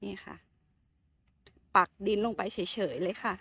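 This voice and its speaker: A woman's voice: mid-range voice, a little slow, creaky, husky, no echo. A woman chatting casually and politely as she walks through her home garden outdoors, showing her plants. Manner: chatty, soft-spoken, polite with frequent particles. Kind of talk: casual garden tour vlog.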